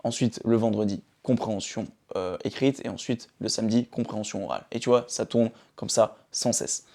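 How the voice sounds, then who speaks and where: A man's voice: on the low side, fairly even intonation, brisk, mellow. Casual young man sharing routines. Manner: chatty and informal, often checks in with "d'accord". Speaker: vlogger. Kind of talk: casual self-help talk to camera. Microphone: phone camera.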